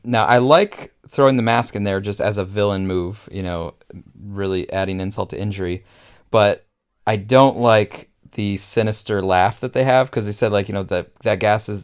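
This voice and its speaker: A man with a low, smooth and resonant voice talks through a film scene in relaxed podcast chat. He sounds keen, with plenty of "like" and "um" along the way. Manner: enthusiastic, frequent fillers and laughs. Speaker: podcast co-host. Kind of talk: casual film discussion.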